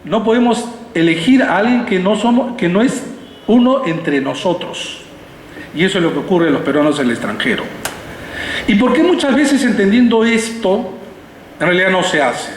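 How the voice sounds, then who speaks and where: A man's voice: sits high, expressive, moderate pace. A man with a Peruvian Spanish accent giving a public lecture, explaining in a didactic way with rhetorical questions and checking in with his listeners. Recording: echoey reverberant hall, background noise.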